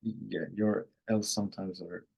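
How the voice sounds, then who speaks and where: A man who is a native Finnish speaker, hosting a casual online language lesson in an unhurried, rambling way with self-corrections. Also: fairly low pitch, fairly even intonation, creaky, darkish tone, breathy edge, lo-fi sound. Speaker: language course host.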